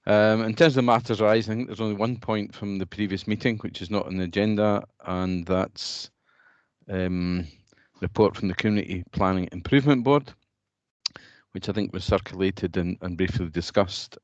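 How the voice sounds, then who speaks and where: A deep-voiced man chairs an online meeting, pausing often and restarting his sentences. His audio comes through a dull, dry video call line with no room around it. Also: steady tone, no room sound. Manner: hesitant, many fillers and restarts.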